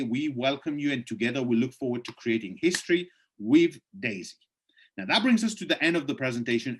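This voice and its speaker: Persuasive man pitching on a webinar, hoarse. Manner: persuasive, emphatic, rises sharply on key points. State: losing his voice, clears throat. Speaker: presenter answering questions. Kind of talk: webinar presentation with live Q&A.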